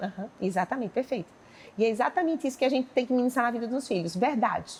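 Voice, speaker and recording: Her high-pitched voice races at a very fast pace as this woman speaks with lively intonation. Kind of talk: podcast interview, testimony. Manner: animated.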